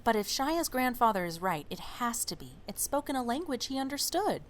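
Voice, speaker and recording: A woman's voice: fairly high pitch, very animated, a little fast, a little hiss or hum. A woman playing an outspoken, impatient young monster investigator, blunt and emphatic, in an audio drama. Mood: pensive. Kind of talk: naturalistic audio drama dialogue.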